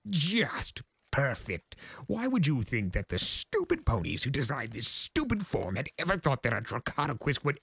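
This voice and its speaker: Theatrical, wildly swooping ancient chaos lord. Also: male voice, mid-range voice, fairly bright tone, breathy edge, no room sound, pitched above the performer's own voice, full character voice. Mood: exasperated. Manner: theatrical, grandiose, indignant, drawn-out emphasis. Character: ancient, pompous, exasperated male chimera lord of chaos. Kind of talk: dramatic cartoon fan fiction reading.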